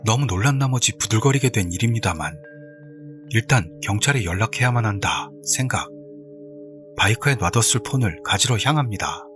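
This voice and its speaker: A man's voice: on the low side, lively intonation, normal speed. A man narrating a scripted horror story in a dramatic, suspenseful way. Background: background music.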